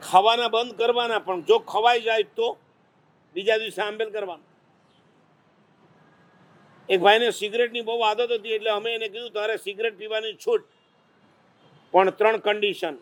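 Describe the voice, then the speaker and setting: A man preaching a sermon, telling lively stories and teasing the audience with questions. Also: high-pitched. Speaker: Jain monk preacher.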